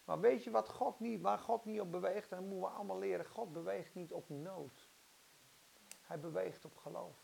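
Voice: mid-range voice, fairly even intonation, normal speed, vocal fry, a little mellow, a little hiss or hum. A preacher delivering an impassioned, dramatic sermon and acting out Bible stories.

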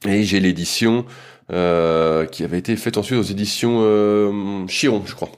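A man's voice: lowish voice, fairly even intonation, unhurried, clear, resonant tone. A man, a strength coach, explaining training in a loose, casual way with frequent hesitations and fillers.

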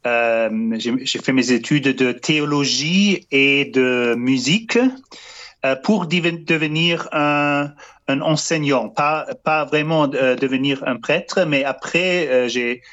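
Halting German-accented priest on radio. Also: male voice, medium pitch, fairly bright tone, highs cut off. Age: 50s. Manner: halting, searching for words with many fillers and restarts. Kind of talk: radio interview answers.

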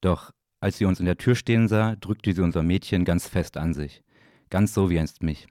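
Very deep, mellow man reciting literary monologue. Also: normal speed, no echo, clean studio sound. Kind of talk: literary audio play monologue, dramatic recitation.

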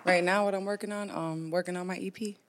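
A woman with a deep, raspy voice, chatting as a guest on a podcast in a laid-back, self-assured way. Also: steady tone, fast. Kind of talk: casual conversation.

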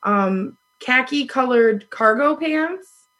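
Husky woman telling a lively story. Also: high voice, slow. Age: 30s. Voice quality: loud voice. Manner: animated, laughs often, acts out quoted lines. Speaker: podcast guest telling a dating story. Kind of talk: casual storytelling chat.

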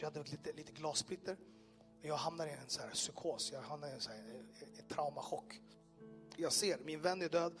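Man, high voice, telling a testimony to a room with faint music underneath; vivid, animated storyteller. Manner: animated storytelling with sound effects and direct questions to listeners. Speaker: speaker giving a personal testimony. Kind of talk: testimony told to a live audience. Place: in front of an audience in a room.

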